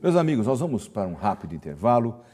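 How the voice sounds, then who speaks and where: A man's voice: lowish voice, big pitch swings, fast talker, mellow, husky. A man with a Brazilian accent hosting a Bible talk program, speaking in an affirming, conversational presenter's manner. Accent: Brazilian Portuguese. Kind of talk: religious talk show discussion.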